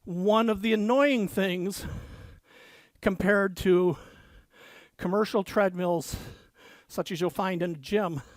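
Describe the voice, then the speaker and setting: A man's voice: high voice, slow pace, no echo. A man dictating fiction aloud, speaking his punctuation, winded from walking on a treadmill desk. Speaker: author dictating a novel. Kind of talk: dictating fiction aloud, then casual chat.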